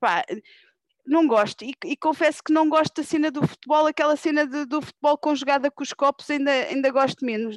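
Delivered in a European Portuguese accent, the speech moves at a fairly quick pace with fairly even intonation and a dry, close sound with no echo. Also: woman, high pitch for a woman. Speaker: podcast host. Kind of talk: casual chat.

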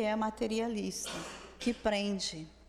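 A woman at a very slow pace, with audible room echo. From Piauí backlands, northeastern Brazil. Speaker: spiritist lecturer. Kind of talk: sermon.

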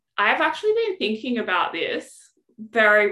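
A woman speaks in an Australian accent. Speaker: podcast host. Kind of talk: casual chat.

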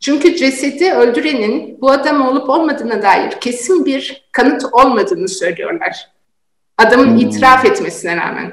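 Very wide pitch swings at a fairly slow pace. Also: woman. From Turkey. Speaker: puppeteer. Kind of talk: casual chat. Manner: halting.

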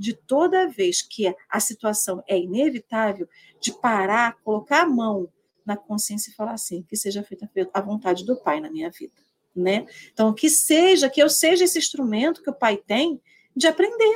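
A woman talks at a moderate pace in a fairly high, somewhat breathy voice with very wide pitch swings and big swings in loudness. The sound is dry and close, with no echo. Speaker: co-host, spiritist speaker. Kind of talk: casual talk on spiritist study, live stream. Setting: video call, live stream.

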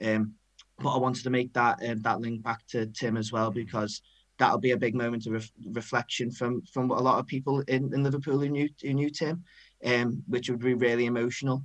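A man speaks at a fairly quick pace in an unremarkable speaking voice. His pitch is medium and his intonation fairly even. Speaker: activist. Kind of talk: casual panel discussion.

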